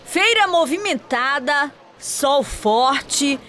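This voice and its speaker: Female news reporter, high-pitched, lively scripted read. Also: extremely slow, slight background noise. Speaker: field reporter.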